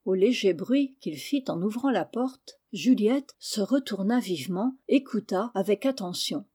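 Mellow-voiced woman reading a storybook. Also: mid-range voice, expressive, unhurried, slightly rough. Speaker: audiobook narrator. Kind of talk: storybook narration.

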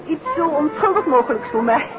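An actress playing a detective's observant, well-mannered wife in a 1950s Dutch radio play, polite and inquisitive. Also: female voice, high voice, sing-song, a little fast, over music. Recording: tinny old radio, chatter behind.

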